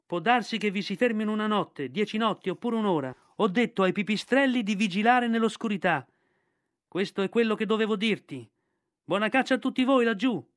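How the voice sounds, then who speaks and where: A man voicing a male kite bird who calls down loudly with an urgent message. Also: sits high, brisk, no echo, clean studio sound, pitched above the performer's own voice. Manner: calling loudly from above.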